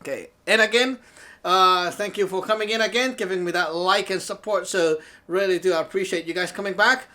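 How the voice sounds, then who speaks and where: Brisk, high-pitched and pushed, with a bright edge, this chatty man from Hong Kong addresses the camera in a casual talk show monologue. A Taoist teacher and show host and native Cantonese speaker, he laughs often and keeps tossing in "okay?".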